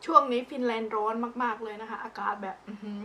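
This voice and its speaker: A woman's voice: a little high, quick pace, fairly bright tone. A woman from northeastern Thailand chats casually as a food vlogger, talking as she eats with her mouth often full. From northeastern Thailand (lower Isan). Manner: talks while eating, mouth often full. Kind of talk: casual eating-show chat. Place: outdoors in a backyard. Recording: clear background noise, outdoor ambience.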